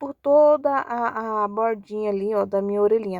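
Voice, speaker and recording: In an ordinary speaking voice, a woman speaks at fairly high pitch and a moderate pace with ordinary pitch variation against a quiet background. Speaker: craft tutorial host. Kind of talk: tutorial narration.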